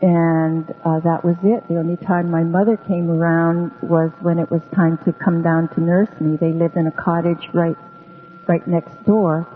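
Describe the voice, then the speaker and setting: This Hawaiian-speaking woman from Hawaii has a voice on the low side with little pitch movement. As a guest storyteller in a laid-back radio interview, she takes her time and wanders through the tale, filling gaps with ums. The recording is tinny and phone-like, carrying long reverb and faint music.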